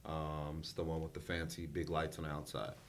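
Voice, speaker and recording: Deep-voiced man telling his story. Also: fairly quick, slight background noise. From South Central Los Angeles. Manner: relaxed, animated storyteller. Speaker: podcast guest. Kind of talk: casual storytelling.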